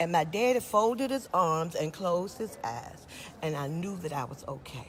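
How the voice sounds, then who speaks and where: An animated, somewhat breathy voice at a moderate pace, with very wide pitch swings. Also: woman, fairly low pitch for a woman. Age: 60s. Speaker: gospel singer. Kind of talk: interview.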